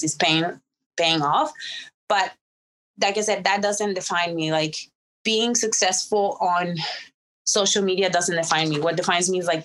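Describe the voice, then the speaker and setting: A woman's voice: fairly low pitch, fairly bright tone. A woman from Mexico, a professional wrestler speaking candidly and emphatically as an interview guest. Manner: candid, emphatic, self-assured. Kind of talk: casual interview.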